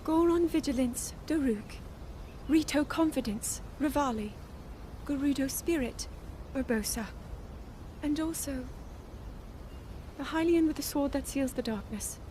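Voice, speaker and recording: A young princess, high and soft, earnest and curious. She talks slowly and gently, with faint game music behind her. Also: a little hiss or hum. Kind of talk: video game cutscene acting.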